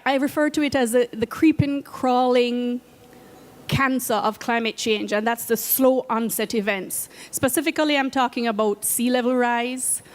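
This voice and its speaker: A woman's voice: a little high, in a large hall. Woman with a Jamaican accent. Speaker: program head giving a talk. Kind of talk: prepared presentation. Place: event space at a conference.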